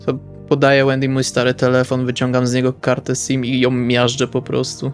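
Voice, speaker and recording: A man's voice: medium pitch, monotone, brisk. A man playing in a tabletop role-play session, improvising casually in and out of character, informal and sweary. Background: faint music.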